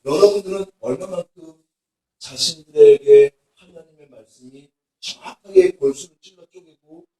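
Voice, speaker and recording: 남자 목사가 학생들에게 생생한 이야기를 섞어 가며 부흥회 설교를 하고, 중간중간 힘주어 외치듯 강조합니다. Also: male voice, sits high, moderate pace. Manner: animated storytelling with emphatic outbursts. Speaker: pastor. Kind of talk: revival sermon to students. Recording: echoey hall from far off.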